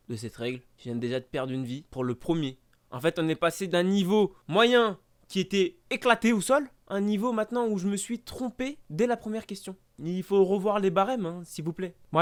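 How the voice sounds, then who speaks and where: Young male gaming creator, sarcastic running commentary, slightly higher voice, casual. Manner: mock-exasperated, sarcastic, talks to himself. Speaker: gaming YouTuber. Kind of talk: casual let's-play commentary.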